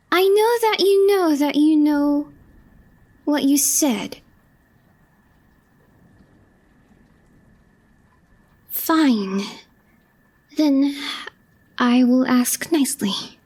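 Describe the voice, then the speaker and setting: A woman playing a calm, reserved young girlfriend, shyly smitten, in a soft, breathy, hesitant ASMR roleplay voice that often drops to a whisper. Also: sits high, heavily acted. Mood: flustered, bashful. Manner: hesitant, understated, slow with long pauses.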